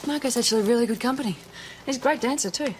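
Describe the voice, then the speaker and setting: A woman playing a quick, teasing young policewoman. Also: on the high side, a little mellow, slight background noise, natural voice.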